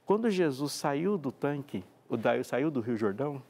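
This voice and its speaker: Man, pastor on a faith talk show, from Brazil; expressive, plays out quotes, mid-pitched. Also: normal speed. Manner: expressive, acts out quoted dialogue. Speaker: pastor and TV presenter. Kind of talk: devotional talk show conversation.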